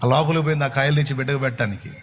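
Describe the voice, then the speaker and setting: A man's voice: medium pitch, steady tone, racing, slight background noise. Dramatic male preacher telling a story. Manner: dramatic, repetitive, rising to proclamation. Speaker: pastor. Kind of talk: storytelling sermon.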